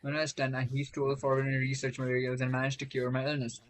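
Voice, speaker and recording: A male game streamer with a medium-pitched voice reads story dialogue aloud. He trips over words now and then and goes back to say them again. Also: completely flat delivery, fast, slight background noise.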